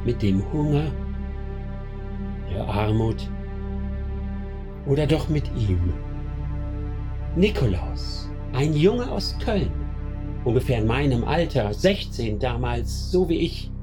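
An actor playing a young medieval eyewitness narrating gravely and deliberately in a radio play. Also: male voice, medium pitch, very animated. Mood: grave, brooding. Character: sixteen-year-old medieval eyewitness recounting a crusade, grave. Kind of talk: scripted first-person narration in a German radio play. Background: clearly audible music.

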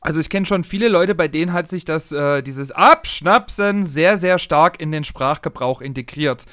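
A man co-hosting a podcast in casual chat, dropping wry, quick quips. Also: fairly high pitch, a bit bright, no echo, studio quality. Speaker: podcast co-host.

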